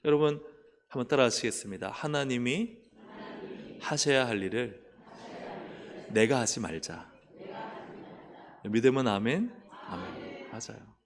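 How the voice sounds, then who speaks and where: Preaching man in an echoing church. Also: medium pitch. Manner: animated preaching, asks the congregation questions. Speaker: pastor. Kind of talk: sermon. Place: church sanctuary. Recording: long church hall reverb.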